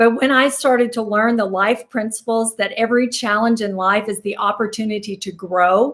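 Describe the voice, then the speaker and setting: A woman's fairly high-pitched, bright, sharp voice in a Southern US accent at a moderate pace. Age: 60s. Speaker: motivational speaker. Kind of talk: interview.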